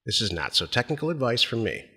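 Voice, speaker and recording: A man's voice: medium pitch, big pitch swings, fast, bright, forceful tone, long reverb tail, soft background music. A middle-aged American man co-hosting a podcast, chatting casually about business in a blunt, plain-spoken way. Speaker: podcast co-host.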